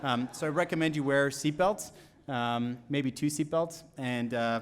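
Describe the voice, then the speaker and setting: With a Quebec accent, a man speaks at a fairly high pitch and ordinary pitch variation. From Quebec, Montreal. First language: French. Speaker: veterinary professor. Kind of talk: keynote speech. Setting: dinner event with audience.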